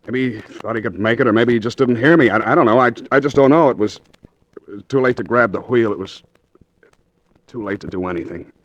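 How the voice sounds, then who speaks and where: A man playing a brooding man in a vintage radio drama, speaking low and stammering as he recounts a fatal crash. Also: fairly quick, no echo, dull audio, close to an everyday voice. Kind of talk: 1940s radio acting.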